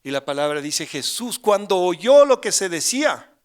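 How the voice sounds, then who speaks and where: A middle-aged male pastor preaching a sermon, acting out urgent pleas with rising intensity and then dropping to hushed, grave tones. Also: high voice, big pitch swings, normal speed, smooth.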